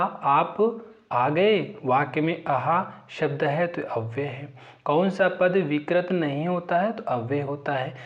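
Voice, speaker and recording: A man with a fairly high voice talks through an exam-prep grammar lesson, listing terms and examples in a steady recital and leaning on the filler "जो है". The sound is dull and lo-fi, with the top end missing. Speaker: teacher.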